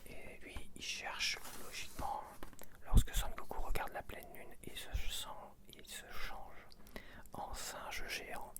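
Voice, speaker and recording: A man speaking in an unvoiced whisper, chatting casually and informally in a rambling, self-correcting ASMR style. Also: unhurried. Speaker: ASMR video creator.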